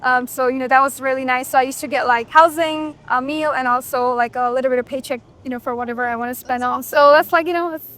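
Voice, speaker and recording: A young woman from Nepal, a software engineer guest, talking in an easygoing way with lots of "like" and "you know". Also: sits high, steady tone, quick pace. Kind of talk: casual interview chat.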